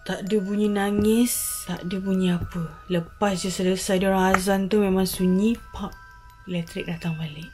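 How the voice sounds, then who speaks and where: A woman with a Malaysian accent, hosting a vlog and telling a horror story in a dramatic, animated way with frequent exclamations. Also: medium pitch, moderate pace. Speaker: vlog host. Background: faint background music.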